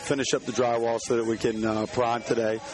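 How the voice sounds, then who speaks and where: A hoarse man in the middle of his range talks through a building project, halting and restarting often. A crowd is clearly heard behind him, as if the interview is happening out on a busy job site. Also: medium pitch, little pitch movement. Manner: halting, many restarts and fillers. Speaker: home builder guest.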